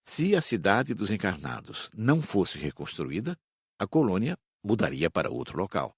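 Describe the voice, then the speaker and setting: A low, husky male voice reads an audiobook with measured pacing and a lively rise and fall. The recording is dry and close, with almost no room sound. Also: no room sound. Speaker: audiobook narrator. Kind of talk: scripted audiobook reading.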